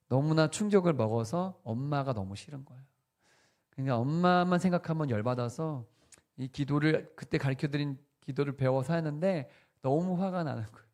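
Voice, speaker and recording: A man preaching as pastor in a conversational sermon, asking the congregation questions and adding light humor. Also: mid-range voice.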